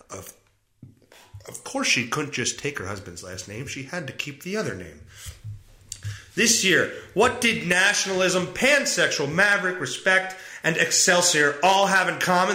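A man with a fairly high, bright voice that swings widely in pitch as he rants through the news. He is sarcastic and foul-mouthed, and his talk rambles. The sound is echoey, as if recorded in a bare room at home. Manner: sarcastic, profane, rambling commentary. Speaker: podcast host. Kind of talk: casual solo podcast monologue reacting to news.

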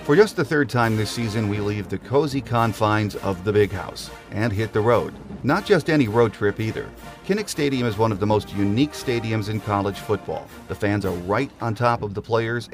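A man hosting a podcast, reading a prepared monologue in a steady, scripted delivery. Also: lowish voice. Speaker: podcast host.

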